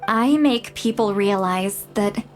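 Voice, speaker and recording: A woman's voice: mid-range voice, slow pace, close to an everyday voice. A woman voicing an ancient, proud but easily embarrassed tribal granny in a video game, talking in a flustered, self-deprecating way. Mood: candid. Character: centuries-old tribal granny, sheepish and proud.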